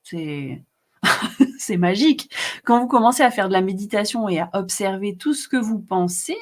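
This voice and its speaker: A woman's voice: mid-range voice, animated, normal speed. A woman hosting a live stream, explaining emotions in a chatty way with many fillers and repetitions. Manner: warm, chatty, frequent fillers and repetitions, laughs often. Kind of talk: casual live teaching, reading comments.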